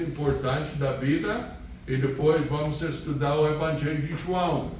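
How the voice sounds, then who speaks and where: Speaking very slowly at a fairly high pitch, a man keeps his intonation fairly even amid audible room echo and noticeable background noise. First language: English (speaking Portuguese). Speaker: pastor. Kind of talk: sermon. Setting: church.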